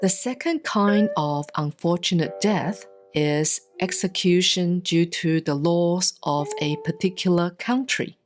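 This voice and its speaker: A woman giving a solemn, scripted reading of scripture in measured, deliberate phrases with frequent pauses. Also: lowish voice, music in the background. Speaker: sutra reader, Buddhist nun.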